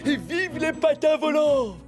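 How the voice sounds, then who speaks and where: A small bookworm sidekick from a kids' cartoon. He sounds eager, kind and encouraging. Soft music sits behind the voice. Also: extremely high pitch, lively intonation, measured pace. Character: encouraging, good-natured male bookworm sidekick creature. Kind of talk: animated children's cartoon dubbing.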